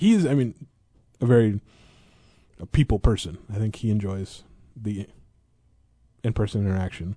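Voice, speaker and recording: The voice has a dark, mellow tone and is somewhat breathy, with ordinary pitch variation, a moderate pace broken by long, frequent pauses, and a dry, close sound with no echo. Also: man, fairly low pitch for a man. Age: 30s. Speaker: sports beat writer. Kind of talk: casual chat.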